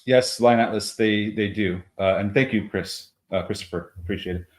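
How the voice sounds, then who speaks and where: A man co-hosting a live trading show, talking through price targets in a halting way with many fillers and restarts. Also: lowish voice. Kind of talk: live market commentary.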